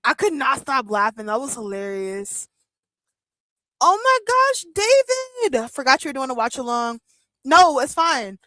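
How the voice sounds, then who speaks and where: A woman in her thirties hosts a live watch-along stream, talking casually and playfully with her viewers. Her voice sits a little high, and the sound is close and dry, as if she is right at a desk mic. She keeps up a loose, joking patter full of fillers. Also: big pitch swings, measured pace, pushed and bright, dry recording, rough recording. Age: 30s. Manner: playful, joking, laughs often, lots of fillers. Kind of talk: casual live-stream chat reading comments.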